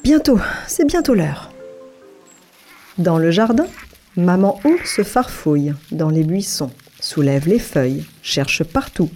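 Woman storyteller for a picture book, lively melodic delivery, mellow tone, soft music underneath. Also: fairly low pitch, takes it slowly. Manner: lively, playful, voices many animals. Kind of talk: children's story reading.

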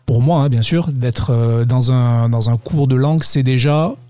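A man who teaches English, giving measured interview answers with frequent restarts. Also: mid-range voice, dark tone, no room sound. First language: French and Arabic. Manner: measured, many restarts and hedges. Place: high school.

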